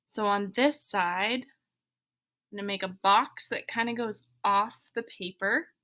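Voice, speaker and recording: With a medium pitch and measured pace, this woman sounds bright and forceful. She's an elementary school teacher guiding children through drawing in clear steps, encouraging them plainly and reasoning aloud.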